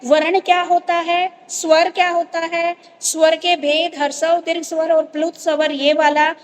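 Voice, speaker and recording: A woman's voice: extremely high pitch, little pitch movement, measured pace, a little hiss or hum, low-quality recording. A woman teacher explaining grammar to students, going over each point patiently and checking that they follow.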